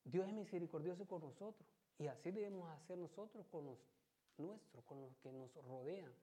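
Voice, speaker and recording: Lay preacher, male; relaxed, warm tone, keeps asking the congregation if they follow. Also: a little high, normal speed. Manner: conversational, constantly checks with listeners. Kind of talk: church sermon.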